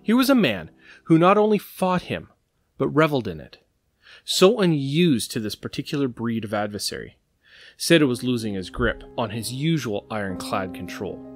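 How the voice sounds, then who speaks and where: A man's voice: medium pitch, big pitch swings, normal speed, faint music behind. A man narrating an audio drama in a dramatic, scripted storytelling style.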